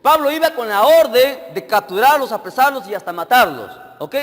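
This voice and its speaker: High-pitched male evangelist, sermon style, quizzes the congregation, reverberant hall. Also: sing-song, normal speed. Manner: questions the congregation directly, checking they follow. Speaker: evangelist preacher. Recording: long hall reverb with faint music.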